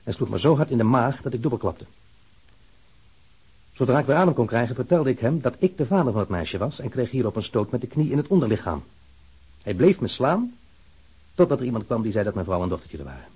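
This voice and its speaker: Radio drama: an aggrieved citizen, formal and measured, dark husky timbre, reading a written complaint. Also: male voice, mid-range voice, sing-song. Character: aggrieved male engineer reading his formal complaint letter.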